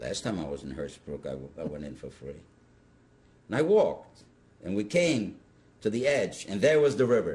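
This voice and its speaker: Speaking at a moderate pace and a medium pitch, a man uses very wide pitch swings, vocal fry, and long, frequent pauses. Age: 70s. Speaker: Holocaust survivor. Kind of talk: oral history interview. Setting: outdoors. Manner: halting.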